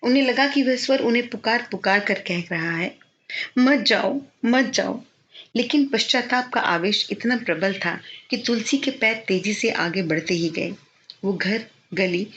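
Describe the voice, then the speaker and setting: Woman narrating a novel, expressive. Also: medium pitch. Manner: measured, expressive reading. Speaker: audiobook narrator. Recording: slightly dull lo-fi recording.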